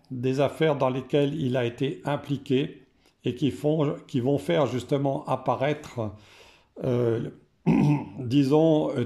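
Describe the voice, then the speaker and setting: Hoarse, slow-spoken French man. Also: mid-range voice, mellow. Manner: slow and hesitant, frequent "euh" fillers. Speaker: tarot card reader. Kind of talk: casual explanation to camera.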